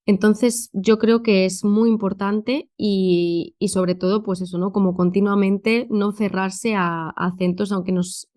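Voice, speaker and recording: A woman's voice: mid-range voice, level tone, unhurried, hardly any pauses, darkish tone. A woman from Spain with a Madrid accent, a conference interpreter answering thoughtfully in a podcast interview, with many fillers. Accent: Madrid Spanish.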